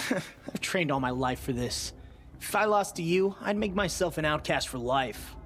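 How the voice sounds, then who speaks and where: A man's voice: on the high side, expressive, unhurried, fairly bright tone, slight background noise. A man playing an arrogant young tribal bully in a video game, mocking and taunting with a sneer. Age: young adult. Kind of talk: video game cutscene acting.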